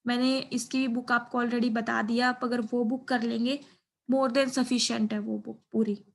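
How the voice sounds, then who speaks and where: A woman's voice: on the high side, level tone, unhurried, gravelly. A young adult woman giving an informal, reassuring, repetitive explainer as an exam-prep teacher.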